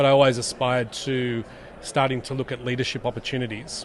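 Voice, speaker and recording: A man with an Australian accent at a medium pitch, talking at a fairly quick pace with fairly even intonation over noticeable background noise. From Australia (Sydney). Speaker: tech executive. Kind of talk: interview. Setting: live at a tech summit.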